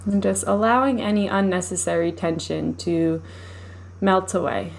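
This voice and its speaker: Casting: female meditation teacher, lowish voice, soothing and unhurried delivery, noticeable background noise on the recording. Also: steady tone, gravelly. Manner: soothing, unhurried, gently instructive. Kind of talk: guided meditation, live session.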